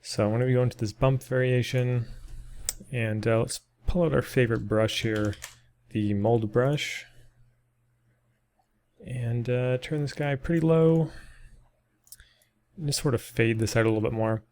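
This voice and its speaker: A man narrates a casual screen-recorded 3D texturing tutorial. His voice is gravelly at mid pitch and a little worn, as if he is losing it. He thinks aloud as he works, with frequent ums and uhs. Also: fairly even intonation, a little slow, long pauses, a little mellow. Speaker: 3D modeling tutor.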